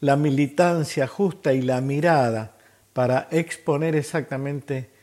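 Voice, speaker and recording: A man's voice: medium pitch, a little slow, darkish tone. A man with an Argentine Spanish accent speaking as a radio host, giving reflective tribute commentary.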